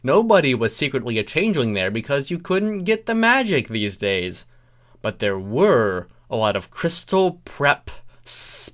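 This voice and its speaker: A man's voice: medium pitch, big pitch swings, a little slow, a bit bright. A man reading a comic story theatrically, in a wry, informal manner with dramatic delivery and offhand asides. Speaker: reader of comic fan fiction.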